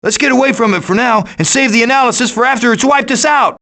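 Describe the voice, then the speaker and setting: A man gives an exaggerated performance as a wisecracking, self-assured raccoon who heads a group of foraging animals, in the glib, sarcastic style of an animated video game. His pitch is extremely high, he talks fast, and there's vocal fry.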